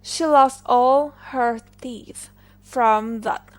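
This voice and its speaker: A vain, flirtatious gentleman of a shirt collar played by a woman reading a storybook. He boasts pompously in exclamations, slowly and in a high register. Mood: boastful, wistful. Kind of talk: fairy-tale storybook character reading.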